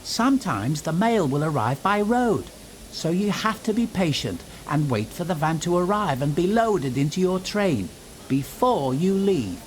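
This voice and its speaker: A man's voice: fairly high pitch, sing-song, a little slow, a little hiss or hum, low-quality recording. A man voicing an earnest, encouraging, helpful little steam engine in a children's storybook. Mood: earnest, explaining.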